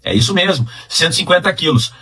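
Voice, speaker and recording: A man's voice: on the high side, very animated, quick pace, bright, forceful tone, breathy edge, distant mic. A man giving sarcastic political commentary, mocking and indignant. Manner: mocking, sings lines sarcastically.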